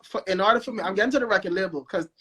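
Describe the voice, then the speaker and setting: A man with a Guyanese accent talking as the guest in a casual live-stream interview, animated and repeating himself as he builds his points. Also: high-pitched, racing, over a noisy crowd. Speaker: guest, record label founder.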